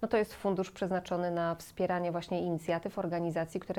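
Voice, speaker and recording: The speech is very fast, delivered in a monotone, flat intonation. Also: woman. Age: 30s. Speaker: women's rights NGO worker. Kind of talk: interview.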